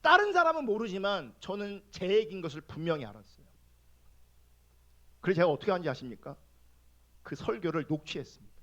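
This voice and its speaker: A male pastor giving a sermon, telling a personal testimony and acting out his own prayers in an animated way. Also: high-pitched, fairly quick, pauses often, dull audio.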